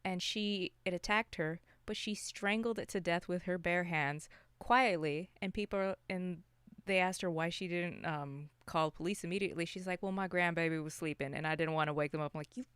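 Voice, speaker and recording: Low-voiced, smooth woman chatting casually. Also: moderate pace, a bit bright, no room sound. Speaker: podcast co-host. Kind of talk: casual chat about movies.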